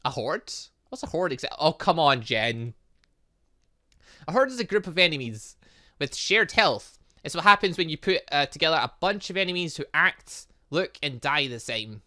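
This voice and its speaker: A man with a fairly high, sharp and bright voice commentates on a game in a casual let's play style. He is talkative and rambling, often breaking off his own sentences to start again. It sounds like an informal YouTube gaming session. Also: big pitch swings, moderate pace. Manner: chatty, rambling, self-interrupting.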